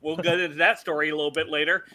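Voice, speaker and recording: A man's voice: a little high, level tone, very fast, bright, forceful tone. A man hosting a podcast, opening stories in a punchy, provocative way. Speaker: podcast host. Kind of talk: opinionated show hosting.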